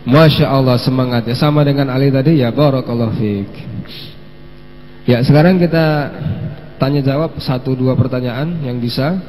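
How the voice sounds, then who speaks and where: A man hosting a live-streamed children's story lesson, gently coaxing the kids to answer and sprinkling in Arabic phrases. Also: medium pitch, normal speed, long pauses. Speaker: children's religious teacher and host. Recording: long hall reverb with faint mains hum.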